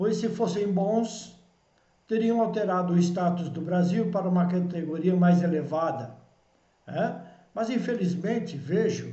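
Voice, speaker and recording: Audible room echo surrounds a man speaking at a very slow pace and high pitch with ordinary pitch variation. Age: 60s. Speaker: spiritual teacher and commentator. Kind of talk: political commentary monologue.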